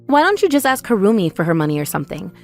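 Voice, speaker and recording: A woman's voice: medium pitch, very animated, rapid-fire, a little mellow. A woman voicing a wronged, outspoken adult daughter in a comic dub, confrontational and emotional. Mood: suspicious. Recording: voice over background music.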